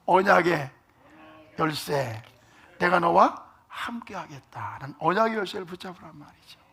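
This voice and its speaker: A man's voice: high-pitched, gravelly, bright, forceful tone. A middle-aged male pastor preaching a sermon, asking the congregation questions and dropping to near-whispers for emphasis. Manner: asks the congregation questions, calls for amens.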